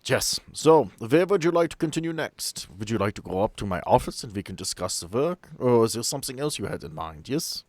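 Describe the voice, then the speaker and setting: A man's voice: medium pitch, very animated, fairly quick, hardly any pauses, a little mellow, no room sound. A man voicing a polite, smiling male doctor who shows guests around and tags his questions with "yes". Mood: courteous. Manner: courteous, ends questions with "yes".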